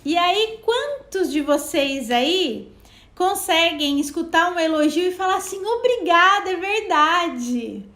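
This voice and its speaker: Animated woman in an echoey room. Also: very high voice, measured pace. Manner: animated, acts out little dialogues. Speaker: co-host of a self-knowledge live. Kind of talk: casual talk on self-help.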